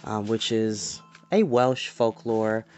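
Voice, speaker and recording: In a small indoor room at home, a twentysomething man hosts storytime, reading a storybook with expression and dropping casual side comments. He speaks slowly in a steady, darkish voice on the low side. Soft music plays in the background.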